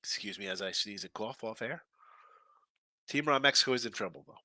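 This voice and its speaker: Bright-voiced congested sports betting host. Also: male voice, on the low side, a little fast, no room sound. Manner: loose, chatty, animated, with frequent fillers. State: congested, stuffy nose. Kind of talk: casual chat reading viewer comments.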